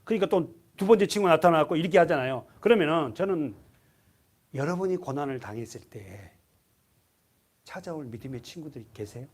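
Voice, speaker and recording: A middle-aged man preaching a Sunday sermon in church, asking the congregation questions and having them underline verses, his voice rising to loud emphasis and dropping to near-whispers. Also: a little high, animated, brisk. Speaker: pastor. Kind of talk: expository sermon. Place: church sanctuary.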